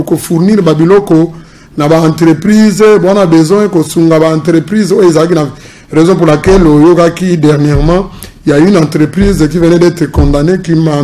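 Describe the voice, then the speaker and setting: A middle-aged man with a Congolese French accent speaks in a formal, measured way, as a political analyst and businessman would. His pitch sits a little high, but his tone stays mellow and dark. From Congo Central, DR Congo. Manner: measured, formal, mixes in Lingala. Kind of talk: interview.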